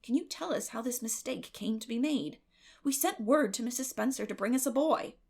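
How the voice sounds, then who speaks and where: Stern storybook older woman, played by a female reader: brusque, practical, no-nonsense, with some creak. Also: on the high side, a little mellow, pitched above the performer's own voice. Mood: resigned, questioning. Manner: brisk, no-nonsense.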